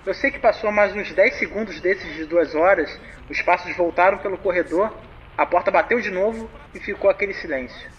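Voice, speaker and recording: A man's voice: sits high, fairly quick, lo-fi sound, slight background noise, natural voice. An actor playing a frightened young man who tells his story in slangy, breathless bursts. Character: scared young man leaving voicemails.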